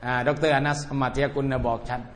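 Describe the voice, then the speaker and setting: A man's voice: mid-range voice, fairly even intonation, fast, long reverb tail. A man giving a religious lecture, blunt and colloquial, often calling his listeners brothers. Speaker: Islamic religious teacher.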